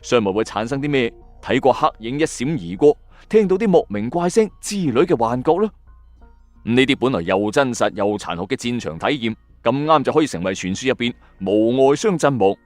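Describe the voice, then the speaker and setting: Animated Hong Kong Cantonese male storyteller, music underneath. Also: mid-range voice, no room sound. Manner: colloquial and emphatic, addressing listeners directly. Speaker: host of a late-night ghost story radio channel. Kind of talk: dramatic storytelling narration with commentary. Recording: dry voice-over with music underneath. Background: background music.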